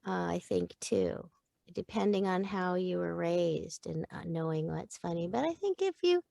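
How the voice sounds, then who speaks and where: A middle-aged woman voice actor, a guest on a podcast, chatting casually in a playful, expressive way, laughing often and restarting her thoughts as she goes. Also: fairly low pitch, moderate pace, creaky, no room sound, studio quality. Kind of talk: casual interview chat.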